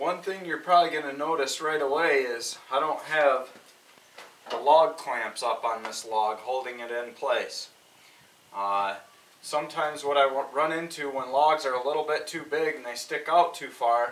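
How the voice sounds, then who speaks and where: A man at a moderate pace, with ordinary pitch variation over light background noise. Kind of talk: casual tutorial. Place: workshop. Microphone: camera far.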